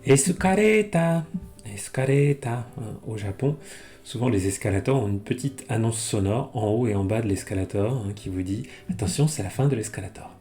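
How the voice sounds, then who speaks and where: Calm low-voiced teacher. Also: male voice, soft background music. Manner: reads Japanese slowly, then explains in French. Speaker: Japanese teacher. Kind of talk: language lesson reading a text aloud.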